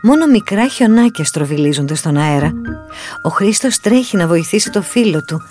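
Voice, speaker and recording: Animated woman reading a children's story. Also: on the low side. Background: soft music.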